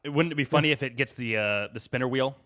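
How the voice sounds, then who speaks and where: A man's voice: medium pitch, fast talker, fairly bright tone. A man co-hosting a casual gaming podcast, chiming in with brief remarks during loose chat. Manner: brief interjections. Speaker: podcast co-host.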